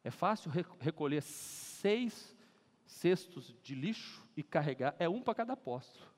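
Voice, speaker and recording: A Brazilian man preaching a lively sermon as pastor, acting out scenes and leading the congregation to read aloud together. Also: a little high, unhurried. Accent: Brazilian Portuguese. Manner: animated, acts out scenes and leads congregation in shouting. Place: large church hall. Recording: long church hall reverb.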